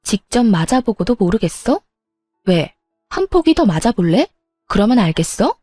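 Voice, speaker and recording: Woman, first-person story narration, sharp defiant retorts, mellow tone, faint music underneath. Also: mid-range voice, sing-song, normal speed, husky, dry recording. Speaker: storyteller narrating as daughter-in-law.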